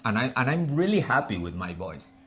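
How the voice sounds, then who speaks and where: Trans woman, Spanish-first, interview guest; fairly deep voice that swings widely in pitch, halting delivery with many restarts. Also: very animated, a little hiss or hum. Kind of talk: casual conversation.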